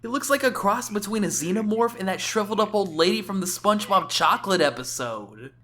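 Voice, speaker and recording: Animated, sarcastic woman reviewing games. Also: mid-range voice, a little fast. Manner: sarcastic, exclamatory. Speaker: video game reviewer. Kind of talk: casual reaction commentary. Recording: voice-over with faint game music.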